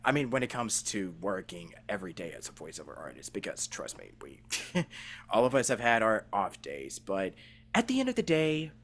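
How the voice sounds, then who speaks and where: A man with a fairly low voice hosts a casual interview podcast. His intonation is very animated, rising and dropping widely. He talks in an earnest, rambling way, circling his point as he goes. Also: normal speed. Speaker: podcast host, voice actor.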